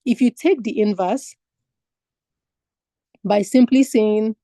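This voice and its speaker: A woman from Nigeria takes her time teaching an online finance exam lesson, asking her class rhetorical questions as she explains each step. Her mid-range voice has a dark tone, and the clean studio recording carries no room sound.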